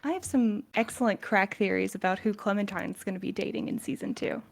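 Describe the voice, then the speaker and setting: A woman's voice: mid-range voice, a little fast, creaky. A woman speaking casually as a crew member in a podcast question-and-answer chat.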